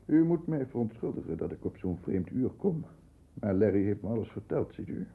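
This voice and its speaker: A composed, formal lawyer in a sixties Dutch radio drama, with a low voice and very dark, soft-edged tone. He speaks measured Netherlands Dutch with deliberate care, and the sound is clean-toned and resonant. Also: big pitch swings, creaky, slightly rough, exaggerated voice. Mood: controlled, probing. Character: composed middle-class lawyer, protective older brother, narrating. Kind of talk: 1960s Dutch radio play, first-person narration and dialogue.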